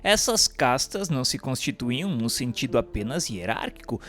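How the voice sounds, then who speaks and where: A man's voice: medium pitch, fairly bright tone. Brazilian guy doing solemn religious narration, kinda declamatory, music playing behind him. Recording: music bed under the voice.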